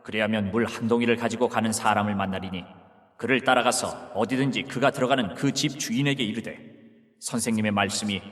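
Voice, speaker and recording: An actor in an audio Bible drama playing a calm, solemn grown man who speaks with authority, in a measured, scriptural way. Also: medium pitch, big-room sound, natural voice.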